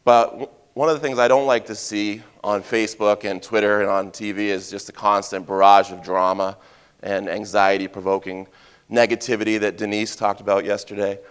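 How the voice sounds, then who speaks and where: A middle-aged man from Maine, a heroism educator giving a loud, chatty talk on a conference stage, often checking in with the audience with "right?". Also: fairly low pitch, flat delivery, moderate pace, clean tone. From Maine, USA. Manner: loud, chatty, jokey, asks the crowd questions, many "right?" tags. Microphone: handheld or stage mic.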